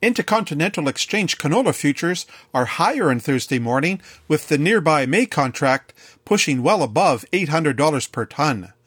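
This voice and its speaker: A Canadian man reading a scripted radio farm market report in a measured newsreader delivery. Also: fairly high pitch, animated, a bit bright, slightly rough, no echo.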